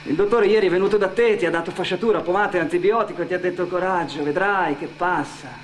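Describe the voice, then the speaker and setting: A man's voice: high-pitched, racing, a little hiss or hum. A man narrating a dramatic theatre monologue for radio in a declamatory way, addressing his character directly. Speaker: narrator and performer. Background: music.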